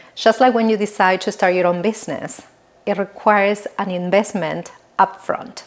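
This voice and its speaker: A woman with a non-native accent speaks at a medium pitch and moderate pace. Her pitch varies in an ordinary way. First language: not English. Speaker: business coach and transaction coordinator. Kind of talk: vlog monologue to camera.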